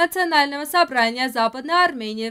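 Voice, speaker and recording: A woman speaks in a raised, projected voice with a bright, sharp tone and lively intonation against a quiet background. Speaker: news anchor. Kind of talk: news reading. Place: studio.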